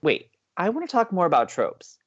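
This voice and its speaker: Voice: medium pitch, huge pitch swings, normal speed, highs cut off, slight background noise. An actor playing a playful, sociable college radio co-host who banters earnestly and teasingly with theatrical emphasis. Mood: eager.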